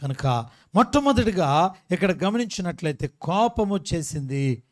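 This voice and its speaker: A man's voice: high voice, big pitch swings, normal speed. A male pastor preaching a sermon, putting questions to the congregation and repeating key words for emphasis. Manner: call-and-response questions to the congregation, emphatic repetition.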